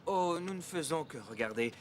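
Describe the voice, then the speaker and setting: A man voicing a patient, cheerful young father in a cartoon, gently explaining things to a child. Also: a little high, expressive, moderate pace, slight background noise, close to an everyday voice. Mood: reassuring. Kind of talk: cartoon voice acting. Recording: music behind the voice.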